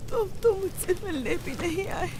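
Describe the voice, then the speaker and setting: A woman's voice: extremely high pitch, lively intonation, heavy background noise, exaggerated voice. A woman voicing a grieving mother who searches for her lost son, wailing and crying. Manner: wailing, broken, slow. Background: loud music.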